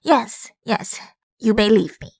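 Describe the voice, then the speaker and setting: A woman's voice: fairly high pitch, slow, vocal fry, a little mellow, slightly rough, dry recording, clean studio sound, heavily acted. A woman voicing a vain, pompous prince who has been turned into a mixed-up animal, in a comic fairy tale audiobook. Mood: smug, lofty. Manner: pompous, self-satisfied. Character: vain, pompous prince turned into a rabbit-lion-lamb creature.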